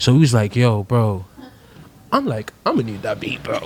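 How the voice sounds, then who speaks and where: A man with a Bahamian accent talks at a very fast pace in a medium-pitched voice. Noticeable background noise can be heard. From Bahamas. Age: 20s. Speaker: singer and rapper. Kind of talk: casual interview. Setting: studio. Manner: soft-spoken.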